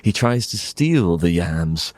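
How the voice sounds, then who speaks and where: A British man narrates very slowly for English learners, in a fairly low voice. He speaks in simple, deliberate phrases with frequent pauses, and the recording is dry and close. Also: lively intonation, a little mellow, dry recording. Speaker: English teacher and storyteller. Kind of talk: slow storytelling for English learners.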